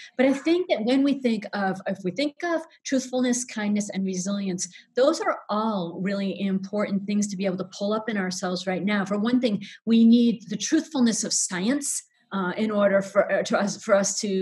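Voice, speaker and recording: A woman's voice comes across as somewhat breathy. She speaks at a moderate pace. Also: medium pitch for a woman, ordinary pitch variation. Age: 60s. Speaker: children's book author. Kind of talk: interview. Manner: halting, many fillers.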